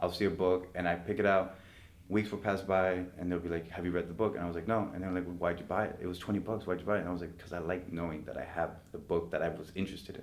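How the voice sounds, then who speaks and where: Talking at a very fast pace, a man with a very deep, low voice keeps his intonation fairly even, and room echo is audible. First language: not English. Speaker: poet. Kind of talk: casual chat.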